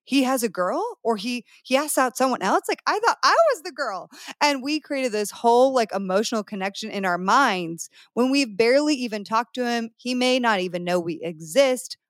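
Female host, 30s; energetic, chatty, dry close-mic recording. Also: fairly high pitch, normal speed, no room sound. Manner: bubbly, enthusiastic, acts out quotes. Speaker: podcast host and dating coach. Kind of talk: podcast hosting.

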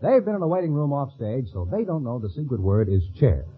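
A man's voice: medium pitch, sing-song, fast, husky, narrow, tinny audio. Thin-sounding old-time American radio announcer man. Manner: polished, formal sales delivery. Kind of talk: mid-century American radio announcing and ad reading.

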